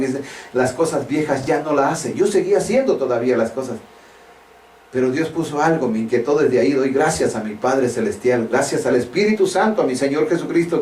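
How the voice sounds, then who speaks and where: A man's voice: fairly high pitch, darkish tone, slight background noise. A man preaching a sermon, earnest and direct, pressing listeners with emphatic questions. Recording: echoey room, voice from far off the mic.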